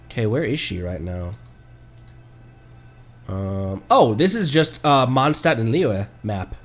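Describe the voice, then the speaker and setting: A man livestreaming a game with casual commentary, thinking aloud in a halting way. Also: medium pitch, expressive.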